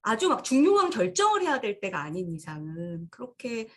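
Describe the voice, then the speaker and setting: A woman co-hosting a psychology talk show, calmly explaining ideas with acted-out example thoughts. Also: fairly high pitch, a little fast, a little hiss or hum. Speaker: podcast co-host. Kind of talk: casual explanatory chat.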